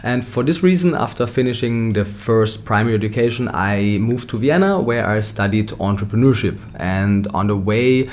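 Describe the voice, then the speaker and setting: Man, Austrian German accent, low voice, young adult, thoughtful, halting interview answers. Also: lively intonation, a little mellow, a little hiss or hum. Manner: thoughtful, frequent restarts. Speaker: nutrition scientist guest.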